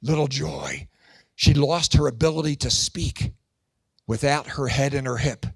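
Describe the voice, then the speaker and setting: A man in his sixties doing a Christian stand-up comedy routine, telling animated stories and acting out voices and shouts. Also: mid-range voice, measured pace, vocal fry, heavy background noise. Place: large event hall with an audience.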